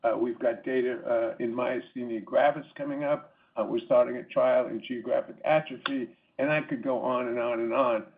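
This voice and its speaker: A man speaking as a company executive on an earnings call, answering haltingly with repeated words. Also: mid-range voice, steady tone, a little hiss or hum. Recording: muffled phone-line conference call audio.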